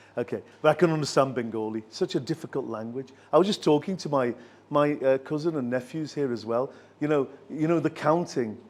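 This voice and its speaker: A man with an English accent at a very fast pace, fairly high in pitch, with ordinary pitch variation. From northern England, Liverpool. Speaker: professor and education consultant. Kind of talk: informal talk to students. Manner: halting, repetitive.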